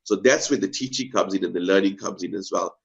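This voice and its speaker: A man's voice: deep voice, fast, gravelly, a bit bright, lo-fi sound. A man speaking earnestly as a guest on a video call, hesitating with many fillers. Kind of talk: casual pitch talk.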